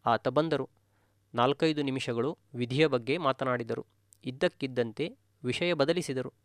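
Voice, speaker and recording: Male meditation teacher, calm storyteller, mid pitch, dry close recording. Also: measured pace, no echo. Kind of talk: dharma talk storytelling.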